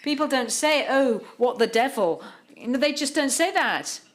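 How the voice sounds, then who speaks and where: A woman interpreting a literary panel talk live, speaking haltingly with frequent pauses and restarts. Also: high voice, expressive.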